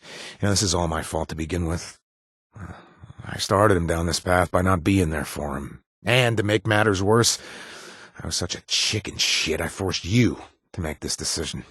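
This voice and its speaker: A man voicing a game character who rues his own failings and blames himself in a low, rueful voice. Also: moderate pace, a bit bright, husky, no echo, studio quality. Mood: regretful. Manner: rueful, self-blaming. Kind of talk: game voice acting.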